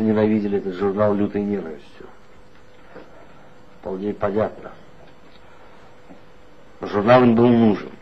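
An actor playing a guarded former reporter who answers in a measured, reflective way in a 1960s radio play. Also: male voice, fairly low pitch, a little hiss or hum, natural voice. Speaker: former reporter being questioned. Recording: dull lo-fi old radio play recording.

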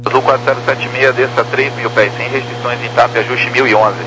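A man's voice: mid-range voice, fairly even intonation, fairly quick. A Brazilian man working as an air traffic controller, giving terse procedural instructions in clipped phraseology over crackly radio. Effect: crackly aviation radio. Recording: noisy crackly aviation radio, humming.

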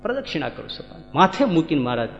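A man's voice: fairly high pitch, sing-song, quick pace, creaky. A man playing a humble devotee who fervently begs his spiritual master not to be displeased, in a sermon story. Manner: fervent, pleading. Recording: echoey hall, dull sound, faint music.

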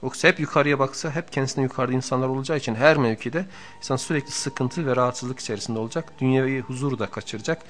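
A middle-aged man giving a religious lecture on the radio, explaining points in a measured way and stacking up lists and repetitions for emphasis. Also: mid-range voice, fairly bright tone. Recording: radio archive with faint music.

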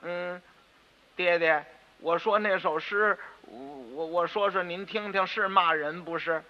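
A male storyteller voicing a clever, cheeky young schoolboy who speaks softly and innocently, on a dull radio recording with long reverb. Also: high-pitched, unhurried. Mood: innocently sly. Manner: soft, sly, innocent-sounding. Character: clever, cheeky nine-year-old schoolboy.

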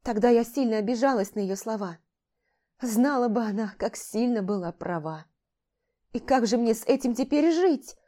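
A woman's voice: a little high, animated, a little slow, warm tone, voice pushed up. A woman voicing a young fantasy heroine who pleads emotionally in a raised, strained voice. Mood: distraught. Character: young heroine, frightened and indignant. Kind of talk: audiobook character voicing.

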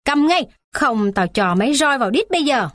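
Woman doing harsh dad, sharp and scolding, pitched up, dry. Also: very animated, moderate pace, no room sound. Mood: shouting angrily. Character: harsh, curt father.

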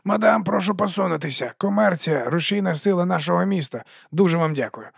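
A man voicing a shifty street vendor who talks in a loud, wheedling sales patter. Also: high-pitched, lively intonation, brisk, gravelly, slightly rough, no room sound, clean studio sound, voice pushed up, exaggerated voice. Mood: hawking. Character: shifty pushy male street sausage vendor.

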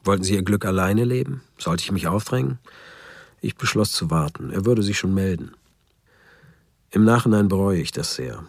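Regretful friend telling the story, really deep husky voice, sober, radio play. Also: male voice, animated, normal speed, no echo, studio quality, full character voice. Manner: sober, reflective. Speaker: narrator. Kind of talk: scripted first-person radio drama narration.

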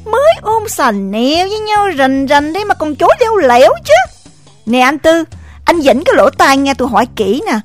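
A woman voicing a jealous village wife with a Southern Vietnamese accent, high-pitched and swooping as she scolds in a shrill, cutting voice. Soft music sits under this audio drama. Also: sing-song. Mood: furious. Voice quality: shrill, scolding, rapid-fire.

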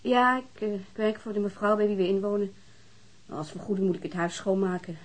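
Woman acting as struggling mother, radio drama, medium pitch, weary, guarded, plaintive. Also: fairly even intonation, fairly quick, lightly acted, rough recording.

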